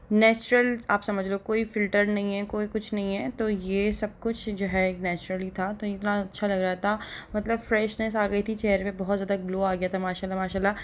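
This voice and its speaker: A woman's voice: medium pitch, a little hiss or hum. A young woman, narrating a casual vlog voice-over in a chatty, rambling way and laughing often. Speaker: vlogger.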